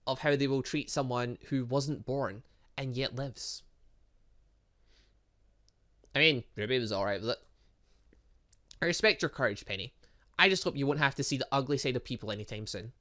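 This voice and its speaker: A man hosting a gaming video, reading visual novel dialogue aloud with casual asides, stumbling over words and correcting himself. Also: medium pitch. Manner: animated, exclaims and reacts playfully.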